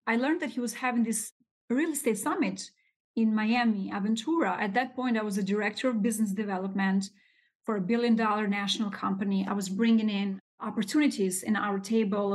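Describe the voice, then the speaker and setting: A woman in her forties from Albania, speaking English as a podcast guest and telling her story in an expressive, animated way. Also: medium pitch. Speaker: guest, real estate capital raiser. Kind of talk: casual interview storytelling.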